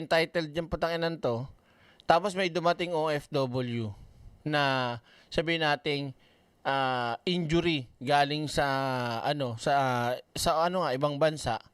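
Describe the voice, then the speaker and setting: Man, ranting commentary, blunt and profane, slightly high voice, smooth and clear, dry close mic. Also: moderate pace, pauses often, a bit bright, dry recording. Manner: blunt, swears often, reads comments aloud. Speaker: online commentator.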